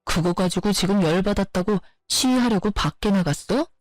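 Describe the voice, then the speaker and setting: A woman's voice: medium pitch, moderate pace, no echo, natural voice. A woman voicing an angry young husband who sarcastically blames his wife over the phone. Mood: accusing. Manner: blaming, sarcastic.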